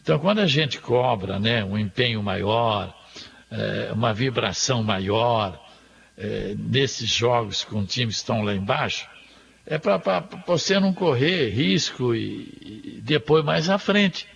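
A man's voice: mid-range voice, expressive, measured pace, creaky, a bit bright. A Brazilian man giving conversational opinions as a radio sports commentator. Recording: dull sound with faint noise.

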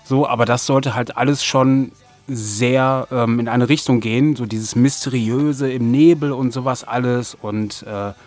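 A man with a mid-range voice talks as an interview guest. He speaks casually and colloquially, halting mid-sentence to find his words. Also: medium pitch, fairly even intonation, a little mellow, faint music behind. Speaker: interview guest, music producer of an audio drama.

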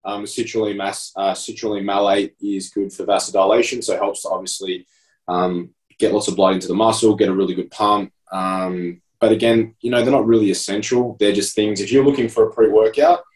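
A man's voice: fairly low pitch, fairly even intonation, fairly quick, a little mellow, distant mic. A man in his thirties explaining things in a casual podcast chat, with many fillers. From Australia. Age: 30s. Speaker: podcast co-host and coach. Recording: echoey room, away from the mic.

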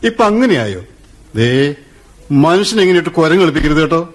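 An actor playing an earnest young student son who presses his parents for answers and speaks of his deep respect for his father, in a radio play. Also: very animated, quick pace. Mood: pressing. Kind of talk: radio drama acting. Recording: radio play with music bed.

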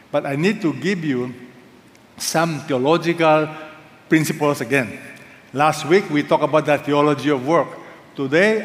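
A man's voice: fairly high pitch, reverberant, long reverb tail. An older man preaching a sermon as pastor, emphatic, repeating key phrases and asking the congregation questions.

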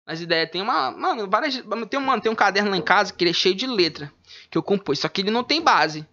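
A man's voice: high voice, lively intonation, fast, pushed and bright. A man, a rapper guest talking casually in an interview, full of laid-back street slang. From Manaus, Brazil. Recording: dull lo-fi audio.

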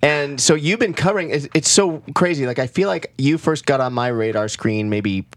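A man's voice: fairly high pitch, normal speed, no room sound, clean studio sound. A man hosting a casual interview, chiming in with short, self-deprecating jokes. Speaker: podcast host.

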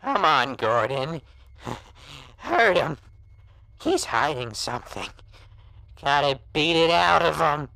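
An actor playing a sadistic, vengeful monster in a horror audio drama, with gravelly, mocking menace. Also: medium pitch, very animated, pushed and bright, no echo, heavily acted, rough recording. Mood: mocking, goading. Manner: menacing, drawn-out, mocking taunts.

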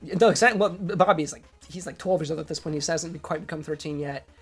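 Man, podcast co-host, casual recap, animated, laughing, acts out quotes, faint music behind. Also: on the high side, fast talker, breathy edge. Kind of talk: casual chat recapping a cartoon episode.

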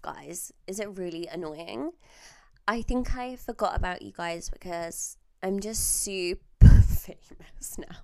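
A woman's voice: lowish voice, a little mellow, no echo. A young woman with an Australian accent hosting a casual solo podcast, chatty and self-mocking, swearing freely while getting over a chest infection. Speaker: podcast host.

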